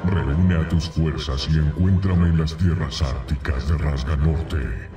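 Demon dark lord, extremely deep, slow, taunting, grand, echoing distant game audio. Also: male voice, steady tone, music in the background. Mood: menacing, taunting. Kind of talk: video game character acting.

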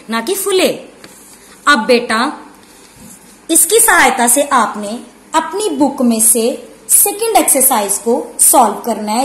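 A woman teaching young children, who explains slowly, asks questions and repeats and stresses key words. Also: sits high. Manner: calls the pupils 'beta' and asks questions before answering them. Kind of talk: online lesson for young children. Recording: echoey room.

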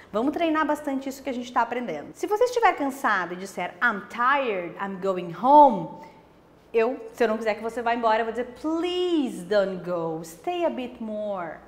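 A woman teacher from Brazil leads an online lesson in a slightly raised voice. She explains patiently and slows right down whenever she gives an example phrase. The room around her has a lingering reverb. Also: sits high. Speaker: language teacher.

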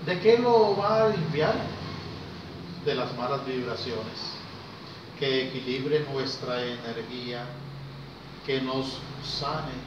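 The speaker, a Costa Rican man with a mid-range voice, leads a casual lecture for a small class, taking his time, pausing between brief phrases and quizzing the group. A whiteboard stands in the small room. Recorded from a distance on a handheld camera, the audio is muffled, noisy and full of echo.

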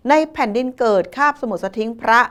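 A woman's voice: on the high side, expressive, a little fast, fairly bright tone. A woman news presenter delivering a scripted local news report in a polite, formal manner.

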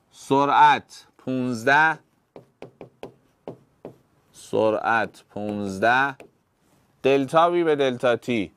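A physics teacher with a clear, resonant, mid-range voice works through exam problems one step at a time. He speaks directly to his students as he goes.

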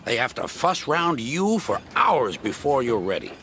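A man's voice: medium pitch, very animated, unhurried, fairly bright tone, slight background noise. A man voicing a smug, boastful male diesel engine in a storybook tale, with a sneering, scornful manner.

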